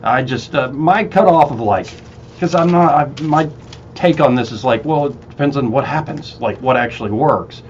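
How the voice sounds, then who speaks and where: A man's voice: medium pitch, normal speed, highs cut off, a little hiss or hum. Chatty radio host, man. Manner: chatty, laughs easily, loose restarts. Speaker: radio talk show host. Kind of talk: casual talk radio chat.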